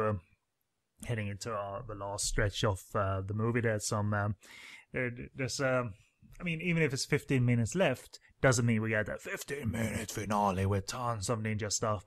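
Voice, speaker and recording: Male podcast host, casual movie commentary, rambling, fillers, mid-pitched voice. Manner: rambling, hesitant, many fillers and restarts.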